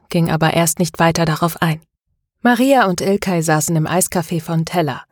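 A woman narrates a novel in a calm, even reading voice. Her tone sits on the low side. The recording is dry and close to the microphone. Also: no room sound. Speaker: audiobook narrator. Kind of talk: scripted narration.

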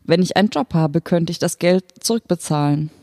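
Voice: medium pitch, brisk, a little mellow, dry recording, clean studio sound, close to an everyday voice. A reader voicing a desperate pregnant mother who pleads in a pressed, shaking voice for her children. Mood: pleading. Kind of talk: audiobook character voice.

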